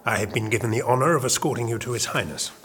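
An actor playing a formal, courteous royal chamberlain in a radio drama. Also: male voice, mid-range voice, quick pace, fairly bright tone, lightly acted.

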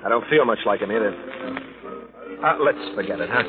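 A man's voice: fairly low pitch, lively intonation, a little fast, lightly acted. An actor playing a modest young man, casual and understated, in a 1940s radio drama. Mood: subdued, evasive. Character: young male stuntman or pal, modest, plain-spoken. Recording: narrow-band old radio, loud music.

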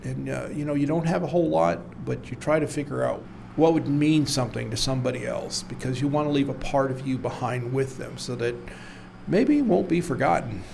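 A middle-aged man on death row, speaking in a halting interview with many fillers and also reading from his own writing. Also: medium pitch, gravelly, noisy background.

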